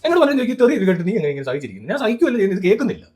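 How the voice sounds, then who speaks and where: A man's voice: high-pitched, wildly swooping pitch, racing, darkish tone. A man giving blunt, heated social commentary, swearing freely.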